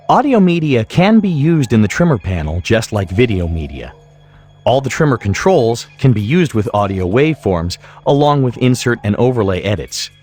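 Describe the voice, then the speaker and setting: Deep-voiced man narrating a software tutorial. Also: husky. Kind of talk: explanatory screen-recording narration.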